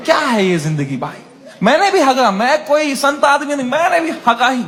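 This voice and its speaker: Crude, animated male stand-up comedian. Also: extremely high pitch, normal speed. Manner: animated, crude, self-mocking. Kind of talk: stand-up storytelling. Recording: live stage with audience and noise. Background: audience laughter and room noise.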